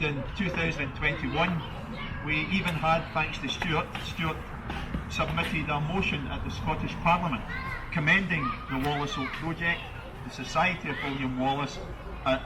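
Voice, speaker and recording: A man hosts a public outdoor ceremony in a measured, formal way, his voice slightly higher than usual. He is caught from far off, and loud traffic and street noise sit under every word. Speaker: master of ceremonies at a commemoration.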